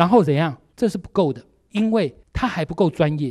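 A man in a Taiwanese accent, animated in tone with very wide pitch swings, at a moderate pace against a quiet background. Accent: Taiwanese Mandarin. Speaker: motivational speaker. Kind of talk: seminar lecture to live audience. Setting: stage with audience. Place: stage. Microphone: handheld.

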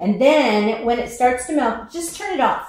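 A woman with an American accent speaks at a fairly slow pace with ordinary pitch variation, and the room echo is audible. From Arizona. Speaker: home crafts video host. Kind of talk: tutorial. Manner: casual, with frequent fillers.

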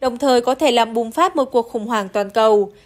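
A woman talks at a very fast pace. Her pitch is high, with ordinary variation. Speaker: news presenter. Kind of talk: news reading. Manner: formal.

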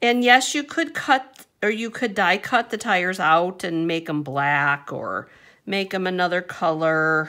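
A woman's bright, sharp voice with lively intonation at a very slow pace, against a quiet background. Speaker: craft demonstrator. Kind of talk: tutorial.

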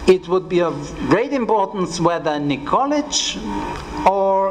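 The speech moves at a fairly slow pace. Noticeable background noise runs under it. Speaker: audience member asking questions. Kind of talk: Q&A question. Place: hall. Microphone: podium.

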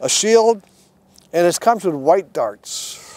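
A man speaks in a high voice at a moderate pace. His pitch varies in an ordinary way, and the sound is dry with no echo. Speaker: toy news reporter. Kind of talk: news report to camera. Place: street. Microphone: lapel.

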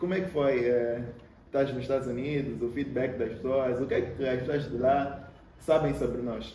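Through audible room echo and noticeable background noise, a man with an Angolan accent speaks at a moderate pace in a medium pitch with fairly even intonation. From Angola, Luanda. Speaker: podcast host. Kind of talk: casual interview.

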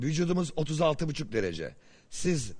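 A man speaks in a fairly high voice. It sounds somewhat breathy. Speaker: doctor; TV guest. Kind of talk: casual chat. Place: studio. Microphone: lapel.

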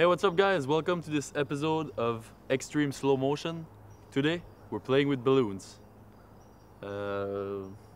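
A man with a Quebec accent talks at a fairly high pitch with lively intonation. His pace is fairly slow, with long, frequent pauses. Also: dry sound with no echo. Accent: French Canadian accent in English. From New Brunswick, Canada (Acadian/French Canadian). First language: French. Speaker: YouTube video host; video host. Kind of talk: casual chat. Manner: animated. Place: garden.

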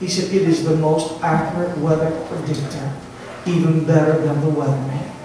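A man talks at a fairly slow pace amid strong room echo and light background noise. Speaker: pastor. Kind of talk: sermon. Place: church.

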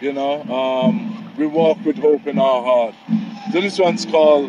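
Over music in the background, a man speaks at a fairly slow pace and fairly high pitch with very wide pitch swings, the sound dry with no echo. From Liverpool, England. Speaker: performance poet. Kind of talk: interview answer. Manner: casual, relaxed. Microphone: handheld.

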